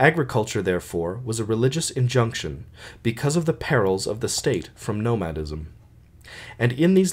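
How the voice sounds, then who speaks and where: A man speaks at medium pitch and a moderate pace, somewhat breathy, with very wide pitch swings. The recording is very clean with a silent background. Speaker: audiobook narrator. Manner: even, contemplative cadence with long, weighty sentences.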